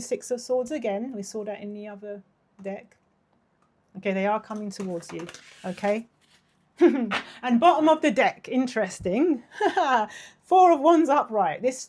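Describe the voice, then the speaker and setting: Her voice is a little high and a little mellow, with lively intonation and normal speed. A thirtysomething woman doing a relaxed tarot reading, she gushes, laughs frequently and sounds affectionate, even as her tired voice partly gives out.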